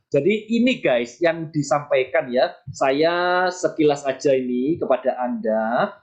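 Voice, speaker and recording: A woman speaking as a business mentor in a motivational sales training talk, emphatic and chatty, putting rhetorical questions straight to her listeners. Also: on the low side. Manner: acts out short sample dialogues.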